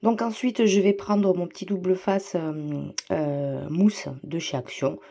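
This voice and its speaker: Woman host, low-ish mellow voice, casual craft voice-over, rambling with fillers. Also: fairly even intonation, a little slow, vocal fry. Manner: chatty, many fillers and restarts; self-deprecating, enthusiastic about materials. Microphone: voice-over mic.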